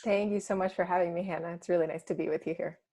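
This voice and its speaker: A woman's voice: lowish voice, fairly even intonation, fast talker, warm tone, no room sound, studio quality. An American woman in her thirties, a jazz singer speaking thoughtfully as an interview guest, with many fillers and restarts. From United States. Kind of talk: casual interview chat.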